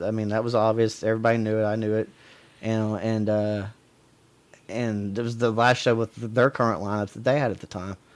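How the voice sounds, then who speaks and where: On a very clean recording with a silent background, a man with an East Tennessee accent speaks fairly quickly in a fairly low, flat monotone. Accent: East Tennessee Southern US. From East Tennessee (Greeneville). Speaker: rock bassist. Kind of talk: casual chat.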